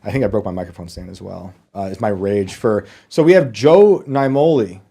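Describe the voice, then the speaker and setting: A man's voice: lowish voice, brisk, creaky, warm tone, breathy edge. A man hosting a podcast interview, wry and joking, laughing often. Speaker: podcast host. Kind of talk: casual interview chat.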